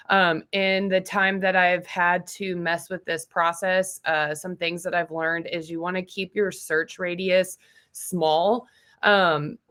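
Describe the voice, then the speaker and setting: A woman with a slightly low-pitched voice leads a casual training tutorial. She explains each step informally, like a trainer walking colleagues through a piece of software. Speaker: trainer for real estate agents.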